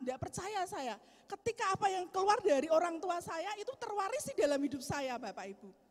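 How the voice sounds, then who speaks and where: Her pitch extremely high, a woman talks at a very fast pace in an animated tone with very wide pitch swings, over noticeable background noise. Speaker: preacher. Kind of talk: sermon.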